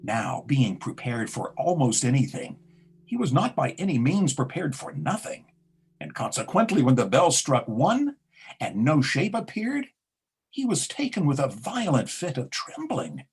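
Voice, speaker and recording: A man narrating a ghostly tale in a theatrical storybook style with a husky voice. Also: medium pitch, sing-song, unhurried, darkish tone, exaggerated voice. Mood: dramatic.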